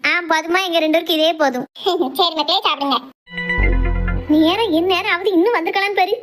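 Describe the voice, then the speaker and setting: A woman's voice: extremely high pitch, brisk, over music. A woman with a Kanyakumari Tamil accent voicing cheeky, teasing teenage daughters in a comedy cartoon.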